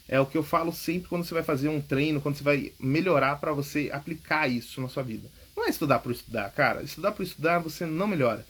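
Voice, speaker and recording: Fast-talking husky male speaking coach. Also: fairly high pitch. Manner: emphatic, repeats key points, frequent "ok?" checks. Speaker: podcast host and public speaking coach. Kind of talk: casual coaching monologue. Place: home recording.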